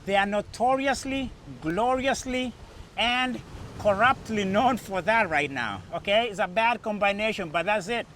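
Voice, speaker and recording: Kenyan male host, middle-aged, high forceful voice, emphatic storytelling delivery, recorded outdoors. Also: measured pace. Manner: emphatic, storytelling, repeats phrases for effect. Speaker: podcast host. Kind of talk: informal spoken commentary to camera. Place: outdoors in a natural setting. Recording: outdoor recording with background noise.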